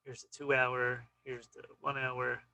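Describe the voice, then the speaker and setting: Man, trading vlog host; gravelly, bright tone, dry close sound; casual clipped chart talk. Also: mid-range voice, monotone, a little slow, no room sound, poor audio. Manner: clipped, fragmentary phrases with frequent "you know". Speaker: stock trading channel host.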